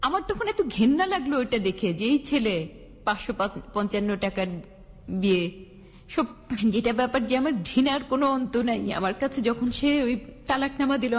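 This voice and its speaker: A woman with a fairly high voice recounts her own life story in an earnest, bitter way, as a guest on a radio talk show. Her voice comes through a dull, muffled broadcast with a long reverb.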